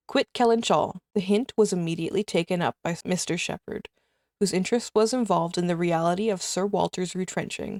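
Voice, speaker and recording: A soft-spoken woman talks at a fairly quick pace in a calm tone with ordinary pitch variation. The sound is dry and close, with no echo. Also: very clean recording, silent background. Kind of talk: audiobook reading. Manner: soft-spoken, calm.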